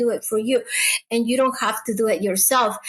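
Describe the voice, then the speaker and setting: With a Mexican accent, a woman speaks at a fairly quick pace. Her pitch is high and her intonation fairly even. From Mexico (Mexico City, Tijuana). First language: Spanish. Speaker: fashion designer. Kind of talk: interview. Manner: halting.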